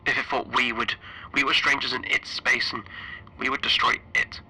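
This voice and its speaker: A man playing a frightened, stranded spaceship engineer recording an audio log for a horror roleplay, halting and stammering through a radio filter. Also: mid-range voice, level tone, bright, forceful tone, a little hiss or hum, poor audio. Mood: uneasy musing. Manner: halting, stammering, anxious repetitions. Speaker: solo tabletop roleplayer.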